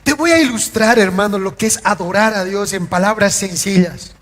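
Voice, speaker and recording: A pastor preaching to his congregation, his voice pitched very high. He keeps asking the listeners questions and acts out short scenes in changing voices. His words ring out through a reverberant church hall. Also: normal speed, a bit bright. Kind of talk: sermon.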